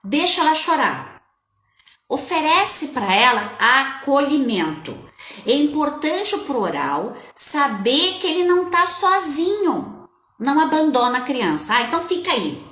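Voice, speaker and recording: Woman coach, conversational live talk to viewers, higher voice with lively swings, roomy echo. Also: takes it slowly. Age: adult with a child. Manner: animated, conversational, addresses viewers directly. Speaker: parenting coach. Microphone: webcam or phone on a live stream. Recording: echoey room.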